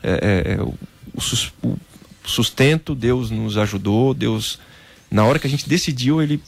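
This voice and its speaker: A man from Brazil, a former footballer, telling a personal faith story in a casual interview, animated and peppered with "cara". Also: medium pitch, a little slow, creaky.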